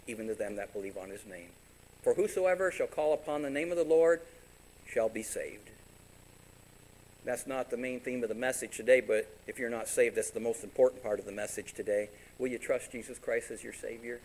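A man preaching a sermon as pastor, animated and direct, sometimes voicing imagined congregants. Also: mid-range voice, fairly quick, low-quality recording.

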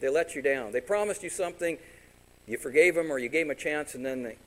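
A man preaching a sermon as pastor, animated and direct, sometimes voicing imagined congregants. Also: on the high side, fast, poor audio.

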